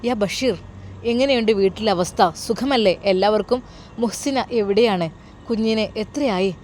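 A woman voicing a gentle older Arab employer. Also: mid-range voice, normal speed, slight background noise, close to an everyday voice. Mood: gentle concern. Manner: gentle, coaxing questions.

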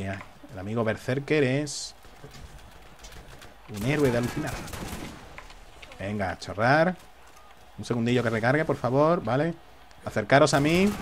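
A man's voice: medium pitch, expressive, a little slow, pauses often, background noise. A man giving live, jokey commentary on a shooter game and taunting the enemies. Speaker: gameplay commentator.

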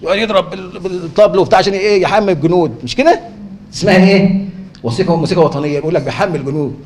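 A man's voice: high voice, very fast, darkish tone, slight background noise. A man with an Egyptian accent giving a conference lecture, who keeps asking rhetorical questions and answering them himself. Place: lecture hall. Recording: echoey hall.

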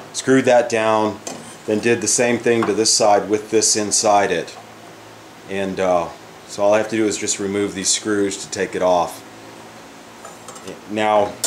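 In a woodworking shop, an older instructor demonstrates a project casually, musing aloud and frequently starting his sentences over. He speaks on the low side, with a little hiss or hum in the audio.

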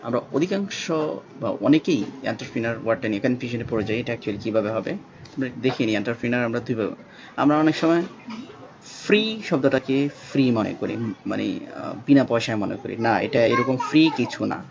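A man whose first language is Bengali, teaching English spelling slowly and spelling words out letter by letter, with many pauses. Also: mid-range voice, animated, creaky. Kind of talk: spelling lesson. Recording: dull lo-fi sound with faint background noise.

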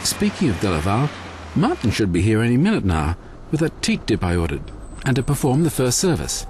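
A musing dairy farmer. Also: male voice, medium pitch, huge pitch swings, fairly quick, background noise. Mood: reflective. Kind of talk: scripted promotional voice-over.

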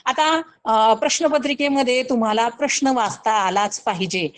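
A woman teacher with a Marathi accent leads a scholarship-exam coaching lesson. Her voice sits a little high, and she explains slowly. She often asks the pupils rhetorical questions and imitates animal sounds. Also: rough recording. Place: recorded online lesson.

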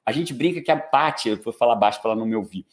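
A man's voice: mid-range voice, expressive, rapid-fire. A man in his forties with a Brazilian Portuguese accent, a coach giving a live online talk, joking and slangy, who keeps checking in with his listeners. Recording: echoey room.

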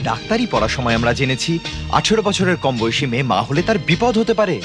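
Cartoon lead: a man playing a reasoning young student son, quick and lively. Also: medium pitch, over music, natural voice. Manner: calm, reasoning, respectful.

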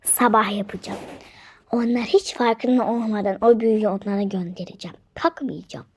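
A woman's voice: very animated, normal speed, a little mellow, slightly rough, heavily acted. Woman doing a hissing spiteful witch. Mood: scheming. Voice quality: low hissing whisper. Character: spiteful scheming female witch. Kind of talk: whispered role-play.

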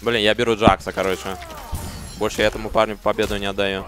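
A man's voice: lowish voice, little pitch movement, quick pace, a bit bright, soft background music. A man in his thirties giving casual live gameplay commentary, with muttered, sweary asides. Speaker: game streamer.

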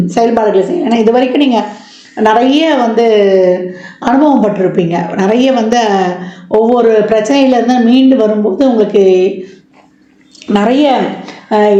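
A woman's voice: on the high side, dark tone, echoey room. Lady doing an astrology forecast, lots of fillers, kinda muffled lo-fi sound. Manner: explanatory, lists items with frequent fillers.

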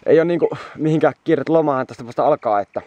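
A man's voice: a little high, warm tone, no echo, highs cut off. Tired young man rambling while riding. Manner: rambling, chatty, swears often, tired. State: exhausted. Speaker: vlogger on a moped trip. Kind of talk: casual travel vlog to camera.

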